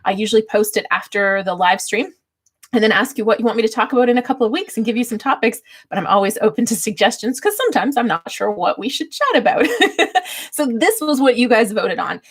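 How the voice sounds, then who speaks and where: A woman hosting a casual livestream, chatty and informal as she shares advice and quick to laugh. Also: a little high, expressive, husky. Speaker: livestream host.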